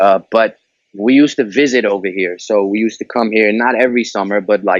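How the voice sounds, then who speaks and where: This man speaks with a Dutch accent at a fairly quick pace. His pitch is fairly low and his intonation fairly even. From Netherlands, near Amsterdam. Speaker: rapper. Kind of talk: interview. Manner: casual, with many fillers.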